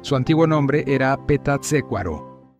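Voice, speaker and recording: A man's voice: medium pitch, expressive, moderate pace, music in the background. Man reading a formal scripted narration.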